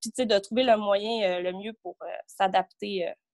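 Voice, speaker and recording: Recorded with a dry, close sound and no echo, a woman speaks with a Saguenay accent at a moderate pace. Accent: Saguenay Quebec French. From Quebec, Saguenay. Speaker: new coach. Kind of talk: group video call testimony.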